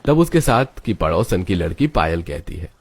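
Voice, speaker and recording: Guy narrating a cartoon story, low and matter-of-fact. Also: big pitch swings, normal speed, breathy edge.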